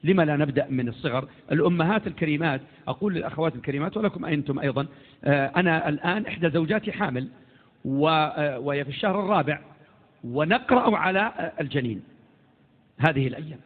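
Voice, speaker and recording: Fast-talking husky man in a hall. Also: a little high. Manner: animated, acts out quoted dialogue. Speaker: speaker addressing an audience. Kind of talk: storytelling lecture. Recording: phone-like audio in a reverberant hall.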